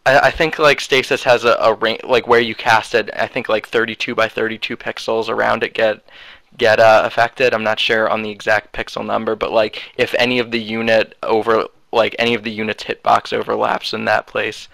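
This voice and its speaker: Bright-voiced young man casting games. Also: fairly low pitch, level tone, a little fast, gravelly, dry recording, low-quality recording. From United States. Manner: rambling, hedging, many fillers. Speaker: esports commentator. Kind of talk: casual game commentary.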